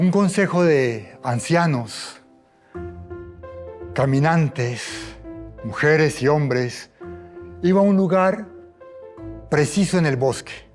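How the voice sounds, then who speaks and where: Music plays in the background as a man with a Colombian accent speaks at a very slow pace, with long, frequent pauses. His voice is fairly high, with lively intonation and very even loudness. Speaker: storyteller. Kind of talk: oral storytelling.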